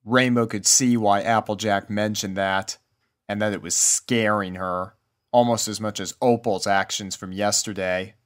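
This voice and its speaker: A man's voice: lowish voice, steady tone, unhurried. A man reading a scripted story aloud as the narrator of fan fiction.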